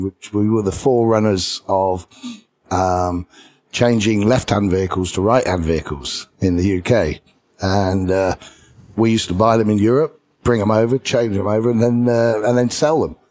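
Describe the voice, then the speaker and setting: A middle-aged man with a British English accent, a podcast guest telling anecdotes in a lively way and chuckling between lines. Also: fairly low pitch, moderate pace. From England. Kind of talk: anecdotal storytelling in an interview.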